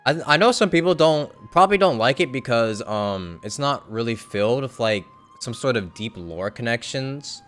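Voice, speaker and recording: A man's voice: mid-range voice, lively intonation, normal speed, hardly any pauses, a bit bright, soft background music. A man live-streaming a game, chatting casually and bluntly, rambling and correcting himself as he reacts.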